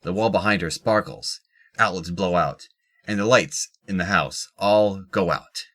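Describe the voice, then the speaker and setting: A man's voice: low-pitched, measured pace, a bit bright. A man reading scripted narration for an audio drama as its narrator.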